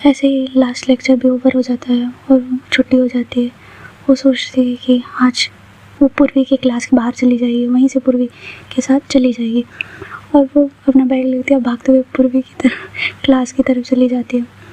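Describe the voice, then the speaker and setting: High, flat-voiced woman storyteller. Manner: conversational, plain, unhurried retelling. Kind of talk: casual storytelling narration. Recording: dull lo-fi recording.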